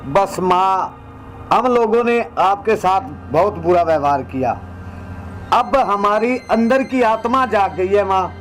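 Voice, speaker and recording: Scheming son played by a man, slow, high for a man, light music behind. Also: lively intonation, poor audio. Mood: coaxing. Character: scheming son, falsely sweet. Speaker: son in a family skit. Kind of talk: low-budget comedy skit acting.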